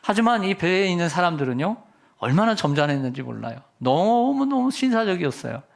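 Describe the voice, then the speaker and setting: A man's voice: sits high, very animated, a little fast, creaky. A middle-aged male senior pastor preaching a Sunday sermon, often asking the congregation questions. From South Korea. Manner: preacherly, asks the congregation questions and acts out voices.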